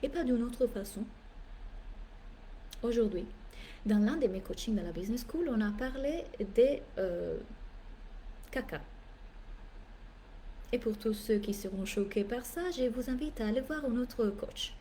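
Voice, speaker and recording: This woman's voice sits a little high and moves at a measured pace with frequent pauses, over a little hiss or hum. A business coach who isn't a native French speaker, she gives a live French masterclass that's emphatic and playful, animated, with theatrical asides and phrases repeated for effect.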